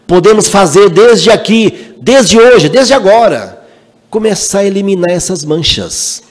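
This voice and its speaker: Lively man lecturing. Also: high voice, a little slow. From Minas Gerais, Brazil. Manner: emphatic, animated storyteller. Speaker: lecturer at a spiritist center. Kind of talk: spiritual lecture with personal storytelling. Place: spiritist center meeting hall. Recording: long hall reverb.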